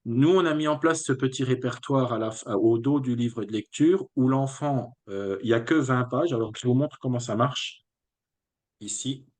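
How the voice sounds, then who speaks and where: A man's voice: medium pitch, normal speed, a little mellow. Man explaining a teaching method. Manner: explanatory, with frequent fillers and restarts. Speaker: teacher trainer presenting a reading method. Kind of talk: webinar presentation.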